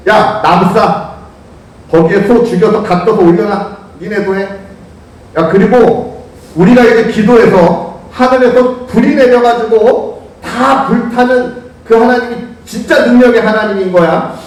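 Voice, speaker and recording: A man voicing a bold male prophet who brashly taunts and challenges his rivals in rough casual speech. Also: high voice, unhurried, voice pushed up. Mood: commanding. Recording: echoey church hall, distant mic.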